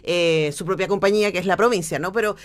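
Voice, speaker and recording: A woman's voice: fairly low pitch, fast. A woman with a Chilean accent hosts a radio interview conversationally, thinking aloud informally with tag questions.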